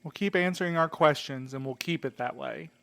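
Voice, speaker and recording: An actor plays a guarded man demanding answers in an audio drama. His voice is a little higher than most men's. He speaks tersely, with bitterness and open suspicion. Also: brisk, fairly bright tone, natural voice. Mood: wary, questioning. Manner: terse, accusing, sceptical.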